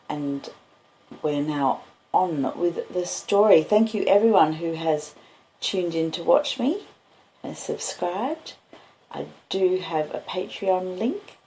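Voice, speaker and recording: A woman with an Australian accent, reading and chatting in an unhurried, cosy storytelling way, recorded on basic home equipment. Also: fairly low pitch, mellow, slight background noise. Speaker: podcaster and audiobook reader. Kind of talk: relaxed live chat and literary storybook reading. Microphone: laptop and phone microphones. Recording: roomy echo, basic laptop and phone audio.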